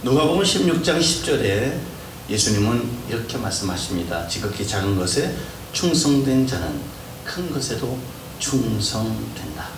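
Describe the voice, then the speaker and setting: A middle-aged male pastor preaching a sermon, swinging between loud exhortation and soft hushed asides and acting out family voices. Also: mid-range voice, very animated, normal speed, vocal fry. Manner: acts out scolding and kind family voices. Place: church hall. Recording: roomy, distant mic with background noise.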